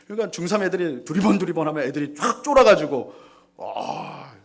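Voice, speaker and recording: A man in his forties preaching a sermon in a church, telling a personal story with animated delivery and acted-out shouts. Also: a little high, fairly quick. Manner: animated storytelling, acts out shouts and quoted voices. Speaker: pastor. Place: church sanctuary.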